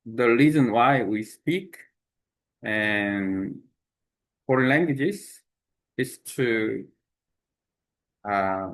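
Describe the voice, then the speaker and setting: Slow, halting Korean-accented man. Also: fairly low pitch, fairly bright tone, rough recording. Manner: halting, many fillers and restarts. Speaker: language exchange speaker. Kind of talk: unscripted talk to camera.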